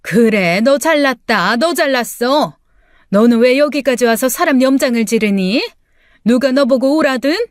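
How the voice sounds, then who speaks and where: A woman's voice: animated, measured pace, dry recording, studio quality. A woman doing a bitter self-pitying mother. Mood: indignant. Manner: shrill, scolding, sharp retorts. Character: bitter self-pitying middle-aged mother, quick to anger.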